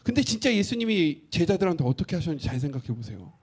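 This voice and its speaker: A male pastor preaching a sermon, asking the congregation questions and acting out quotes in an animated way. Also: on the high side, fast talker, breathy edge.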